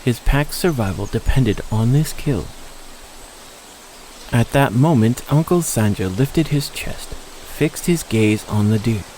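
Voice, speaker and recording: Give me a male narrator with a medium pitch reading dramatic fiction, light outdoor noise in the background. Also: lively intonation, slow pace, darkish tone, poor audio. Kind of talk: scripted dramatic story narration.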